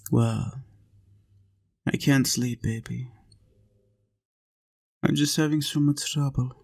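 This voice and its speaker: Slow, even-toned man as a lonely vampire. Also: mid-range voice, vocal fry, husky. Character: lonely, tender centuries-old male vampire in a castle. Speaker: roleplay audio performer. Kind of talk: intimate scripted roleplay audio acting.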